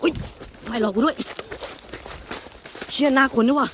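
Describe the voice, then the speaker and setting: A man in a forest, panicked and out of breath, shouting and swearing in alarm. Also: very high-pitched, normal speed, background noise. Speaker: ghost-hunting vlogger. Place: outdoors in a dense rainforest.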